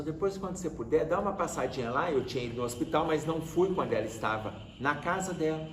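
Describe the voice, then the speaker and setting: A man with a Brazilian Portuguese accent, telling a story conversationally in a religious study talk and acting out dialogue. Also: fairly high pitch. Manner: lively, conversational retelling with acted-out dialogue. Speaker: spiritist study speaker. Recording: roomy echo with faint background hiss.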